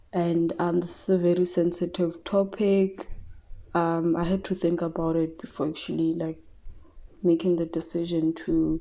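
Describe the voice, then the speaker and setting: A woman's fairly low, dark, mellow voice with a South African accent, at a moderate pace with monotone, flat intonation, against a quiet background. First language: Tshivenda. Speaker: tarot reader. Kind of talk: psychic tarot reading monologue. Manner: hesitant, many fillers.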